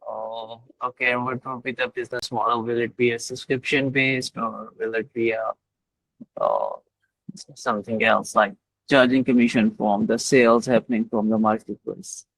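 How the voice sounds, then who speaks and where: Gravelly South Asian man hosting online. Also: mid-range voice, normal speed, fairly bright tone, dry recording, rough recording. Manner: tentative, repeats "like" often. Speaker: host of online community session. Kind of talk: informal moderated discussion. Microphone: online voice call.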